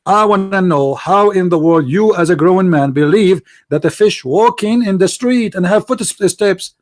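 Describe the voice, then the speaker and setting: Male debate host, high voice, Arabic accent and native Arabic speaker. Insistent, combative, repeats himself to press the point. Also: a little slow. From Middle East. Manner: confrontational, insistent, repeats phrases and questions. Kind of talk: heated religious debate.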